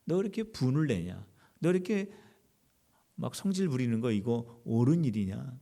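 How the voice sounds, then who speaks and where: A man preaching in Korean voices a patient, stern male deity gently rebuking a prophet with slow questions. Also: medium pitch, very animated.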